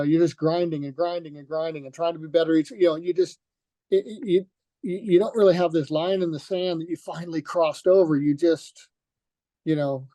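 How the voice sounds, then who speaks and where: A man's voice: a little high, mellow, dry recording. An older man, a retired racer, telling stories from his career in a loose, rambling interview with many fillers and restarts. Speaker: retired motocross racer, guest. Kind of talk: relaxed reminiscing in an interview.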